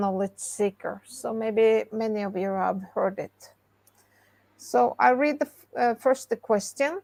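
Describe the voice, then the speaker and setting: In a Norwegian accent, a woman speaks at a fairly high pitch with ordinary pitch variation and a dry, close sound with no echo. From Norway. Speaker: spiritual council member. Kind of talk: presentation with reading aloud. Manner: hesitant.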